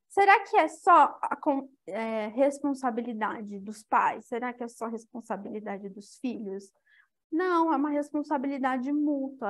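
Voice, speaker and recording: Young woman giving a spiritual talk, high voice, chatty, pulls the audience in. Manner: lively, engaging the audience directly. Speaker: lecturer.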